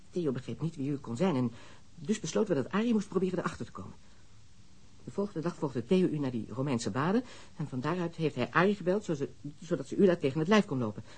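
A brazen, blunt smuggler, played by a man in a radio play, talking fast in a husky, slightly raised voice. He answers the police plainly and without shame, boasting of his own strength. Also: fairly high pitch. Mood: tense. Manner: frank, matter-of-fact, shameless. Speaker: suspect. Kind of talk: radio drama acting.

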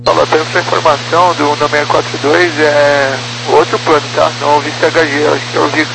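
Casting: Brazilian man, airline pilot, gravelly terse delivery over a noisy two-way walkie-talkie radio link. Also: on the high side, flat delivery, a little fast. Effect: two-way radio transmission, walkie-talkie sound. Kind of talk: clipped pilot radio calls. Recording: noisy humming cockpit radio channel.

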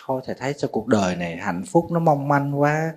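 A man's voice: medium pitch, very animated, a little fast, darkish tone. A man with a Southern Vietnamese accent, a Buddhist monk giving a folksy sermon to a live audience, often asking his listeners questions.

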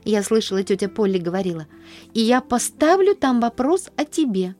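Woman playing an eager, high little girl. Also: very animated, normal speed, darkish tone, soft background music.

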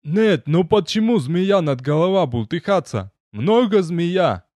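A man puts on a short, hot-tempered gnome whose voice leaps high and shrill, squawking with wild swoops of pitch. He mangles his grammar, and the close, dry sound keeps every outburst right up front. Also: sing-song, unhurried, darkish tone, dry recording. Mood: indignant. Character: excitable male gnome, short, speaks broken language.

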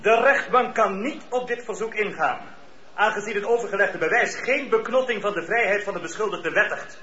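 High-voiced, formal presiding judge. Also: male voice, bright, forceful tone. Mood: firm. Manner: formal, measured, official. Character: firm, impartial male presiding judge. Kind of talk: Dutch radio play acting. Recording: roomy, dull radio play recording.

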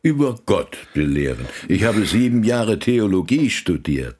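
An actor playing a condescending, calculating German Catholic priest in a radio play, with a measured, patronising manner. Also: male voice, lowish voice, big pitch swings, darkish tone, slight background noise. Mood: scornful.

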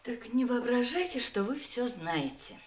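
An actress playing a sharp-tongued, defiant mistress in a theatrical Russian audio drama, with a sarcastic, challenging delivery. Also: female voice, fairly high pitch, expressive, a little slow, echoey room.

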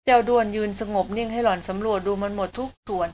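A woman narrating an adventure novel in a steady, even reading voice at a middle pitch. A faint hiss of noise sits under the recording. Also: quick pace. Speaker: audiobook narrator. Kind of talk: novel read aloud.

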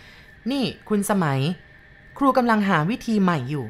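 ผู้หญิงเล่าเรื่องแล้วพากย์เป็นครูชายที่ติดการพนันหวย พูดจริงจังแบบกระซิบกระซาบวางแผน. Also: female voice, mid-range voice, very animated, measured pace, a little hiss or hum, pitched above the performer's own voice. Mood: earnest. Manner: eager, conspiratorial. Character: older male teacher hooked on lottery gambling.

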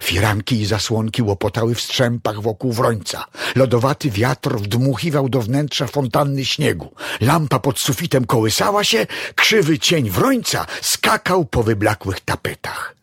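A man reading a story aloud in a dramatic, expressive style. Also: mid-range voice, measured pace, slightly rough, no room sound, clean studio sound. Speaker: narrator. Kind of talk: audiobook story narration.

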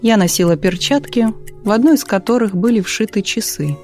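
Mellow woman reading a novel aloud. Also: mid-range voice, soft background music. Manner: calm, measured reading. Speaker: audiobook reader. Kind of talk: scripted literary narration.

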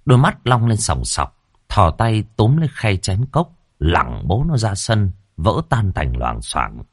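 A man narrating a ghost story in a vivid, lively way. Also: lowish voice, measured pace, husky, no room sound, studio quality. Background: faint background music.

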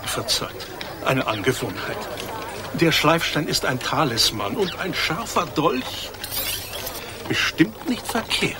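An actor playing a sinister male black knight who speaks low and hushed, in a radio play. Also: big pitch swings, slow, crowd noise. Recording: radio play, distant, noisy ambience.

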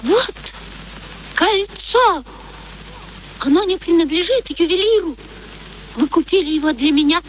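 A defiant young flower girl from an old radio play. Her voice is strikingly high and animated, with a sharp edge. She speaks with hurt pride and pointed formality. The recording carries light noise. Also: a little slow, long pauses, rough recording. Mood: hurt, trembling. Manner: theatrical, pointedly formal, emotional. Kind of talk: Russian radio play acting.

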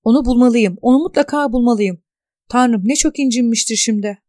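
A woman reading out the loud, exasperated outbursts of a shaken, indignant character alone at home, in an audiobook. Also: fairly high pitch, brisk, no echo, studio quality, lightly acted. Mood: distraught.

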